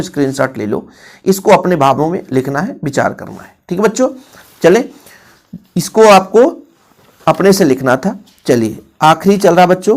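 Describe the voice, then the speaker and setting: A man's voice: on the high side, gravelly. A man teaching an exam-prep grammar lesson, stressing his points and often checking in with the students. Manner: emphatic, repeats examples and keeps checking in with the students. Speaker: Hindi teacher.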